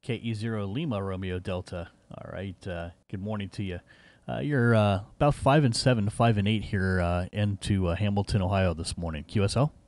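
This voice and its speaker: Male radio hobbyist, lowish voice, methodical call-sign delivery and easy contact talk, slight hiss behind. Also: moderate pace. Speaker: amateur radio operator. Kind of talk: ham radio calls and casual contact. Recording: faint background radio hiss. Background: faint hiss.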